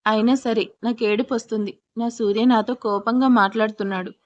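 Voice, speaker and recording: Sensitive young wife in an audio drama, voiced by a woman narrator; soft and pleading, higher pitch. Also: fairly even intonation, a little fast, lo-fi sound, lightly acted. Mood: tender pleading. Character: sensitive young bride, tender and easily hurt.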